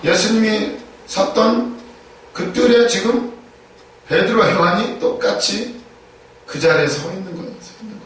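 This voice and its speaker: Man preaching, slightly higher voice, emphatic repetitions, rhetorical questions, very echoey church, distant mic, faint background noise. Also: measured pace, pauses often, a bit bright. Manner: emphatic, repeats key phrases, asks rhetorical questions. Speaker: pastor. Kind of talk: sermon.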